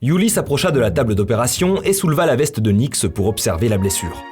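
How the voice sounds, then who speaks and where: A male narrator reads scripted science-fiction storytelling. His voice sits at an average pitch for a man. Faint music runs behind the narration. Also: expressive, quick pace, darkish tone. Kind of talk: scripted narration of a sci-fi visual novel.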